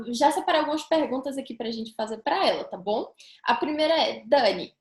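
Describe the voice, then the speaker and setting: A woman's voice: a little high, roomy sound. A young Brazilian woman hosting a casual interview, chatty and upbeat. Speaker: YouTube host, interviewer.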